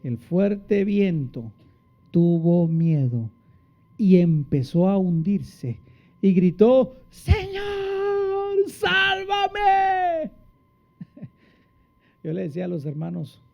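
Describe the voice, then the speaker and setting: A man preaching a sermon, asking the congregation questions and answering them, acting out quotes with big swings in his voice. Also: creaky. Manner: dramatic, acts out quotes with big pitch swings. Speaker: pastor. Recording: dull lo-fi sound.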